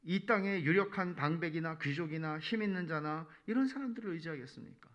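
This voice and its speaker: A man's voice: fairly high pitch, brisk, fairly bright tone, muffled recording. A male pastor preaching a sermon in a conversational way, with playful asides.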